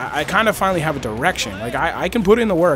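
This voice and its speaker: Noticeable background noise fills the recording. Through it, a man is talking. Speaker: gaming YouTuber. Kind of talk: casual vlog talk to viewers. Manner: animated.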